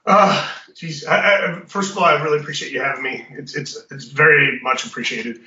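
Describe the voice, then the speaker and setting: A man's voice: on the high side, fairly even intonation, brisk, pushed and bright. A man being interviewed as a guest author, chatting with stumbling restarts. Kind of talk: casual interview. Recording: roomy, distant, lo-fi audio.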